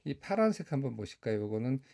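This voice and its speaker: A middle-aged man, a doctor, explaining slides to viewers in a relaxed, measured way with frequent fillers. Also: mid-range voice, vocal fry. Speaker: doctor explaining diabetes care.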